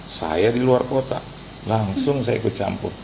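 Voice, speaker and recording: A middle-aged male pastor preaching a sermon, animated, acting out conversations and mixing in English phrases. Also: lowish voice, unhurried, gravelly. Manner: animated preacher who acts out dialogues and drops English phrases. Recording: noisy live sermon recording.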